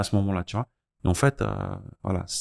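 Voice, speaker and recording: Lively intonation from a male speaker, set against a quiet background. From France. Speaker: expatriation consultant and YouTuber; YouTuber. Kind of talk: casual interview. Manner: casual, many fillers. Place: home room. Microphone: studio mic.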